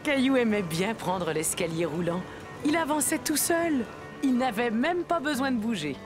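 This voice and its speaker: A woman performing as a gentle, explanatory narrator for a children's cartoon story. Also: fairly high pitch, lively intonation, normal speed, close to an everyday voice. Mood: gentle narrating. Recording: music behind the voice.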